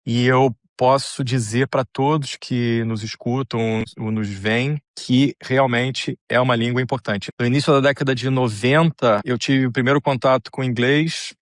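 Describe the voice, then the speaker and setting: A middle-aged man with a Brazilian accent telling his story as an interview guest, measured and often repeating phrases as he searches for words. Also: mid-range voice, fairly even intonation, no echo, studio quality. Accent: Brazilian Portuguese. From Brazil, born in Paraná, grew up in Rio de Janeiro. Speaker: interview guest, technology manager. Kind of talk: conversational personal story.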